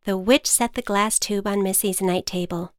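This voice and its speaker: A woman reading a children's storybook aloud in an expressive, playful way, recorded on a close mic. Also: mid-range voice, moderate pace, no echo.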